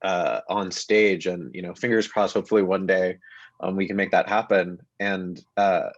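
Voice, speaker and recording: A man with a lowish voice talks reflectively and haltingly in a relaxed panel discussion. The recording is dry and a bit dull, as if over a video call. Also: dry recording. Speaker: actor, panel guest. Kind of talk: casual panel conversation.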